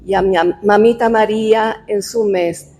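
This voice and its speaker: A prayer leader reciting prayers aloud with a group in slow, measured phrases. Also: mid-range voice, fairly even intonation. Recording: distant voice in a reverberant hall over a praying crowd.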